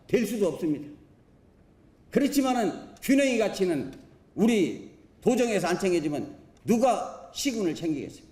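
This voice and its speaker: A council member speaks at a podium in an echoey assembly chamber. His voice sits a little high but sounds dark and mellow, and his pitch swings widely as he presses each point. He argues emphatically, leaning on rhetorical questions and folksy sayings. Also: sing-song, normal speed. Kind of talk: questioning session speech. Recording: roomy chamber echo.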